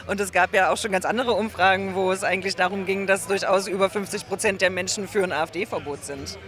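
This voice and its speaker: A man answering questions in a casual interview outdoors in town, speaking in a relaxed, hedging way. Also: high-pitched, fairly quick. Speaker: interviewee at a demonstration.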